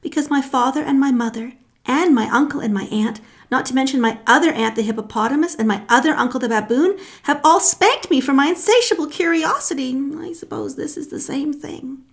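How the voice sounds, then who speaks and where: A woman's voice: sits high, fairly quick, pitched above the performer's own voice. A woman voicing a polite, naive and insatiably curious young elephant child in a children's story, earnest and breathless.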